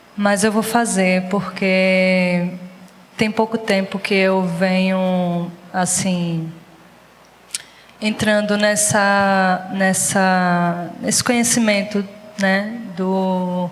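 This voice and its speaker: A woman with a medium-pitched voice speaks very slowly and in a flat monotone, leaving long, frequent pauses, with audible echo in the room. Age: 30s. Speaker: audience member. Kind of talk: testimony. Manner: halting.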